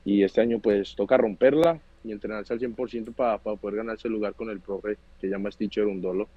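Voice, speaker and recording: A man's voice: on the low side, steady tone, brisk, dry recording. Young Colombian man on a dull video call. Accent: Colombian Spanish. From Cali, Colombia. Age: 20s. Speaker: guest footballer. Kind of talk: casual interview answers.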